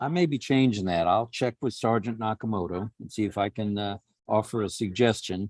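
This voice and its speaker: Against a quiet background with a dry, close sound and no echo, a man talks at a fairly low pitch with ordinary pitch variation. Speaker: network marketing member and live show co-host. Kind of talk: casual group call remarks. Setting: video call from a senior care center. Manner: slow and quiet.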